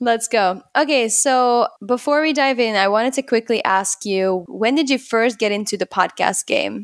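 Against a very clean, silent background with a dry, close sound and no echo, a woman with a non-native accent and a fairly high pitch speaks at a moderate pace, with ordinary pitch variation, very even loudness and hardly any pauses. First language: not English. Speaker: podcast host, marketing head. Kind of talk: interview. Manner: animated, gestures while talking.

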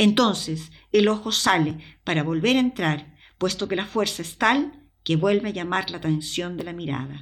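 A woman with a Chilean accent speaks at a moderate pace in a fairly low voice, her intonation lively. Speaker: podcast host and storyteller. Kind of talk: scripted narration.

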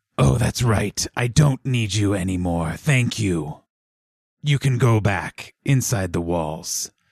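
A man puts on a raspy character voice, fairly low in pitch. He delivers it at a fairly slow pace. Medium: actual play. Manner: aloof, self-assured.

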